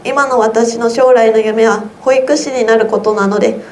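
High school girl reading her own essay on air; earnest, steady delivery in a slightly high register. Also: moderate pace. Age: teens. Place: radio studio.

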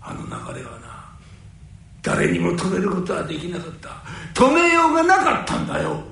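Gruff old merchant, played by a man, rough downtown talk, lively swoops and gravel in a very echoey room. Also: high voice, moderate pace, exaggerated voice. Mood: explaining. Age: older. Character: older male nori wholesaler, gruff but caring.

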